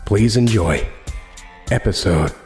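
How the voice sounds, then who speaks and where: A man's voice: lowish voice, slow pace, echoey room, over music. A man hosting a podcast, reading a scripted introduction in a casual, chummy, conversational way. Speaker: podcast host.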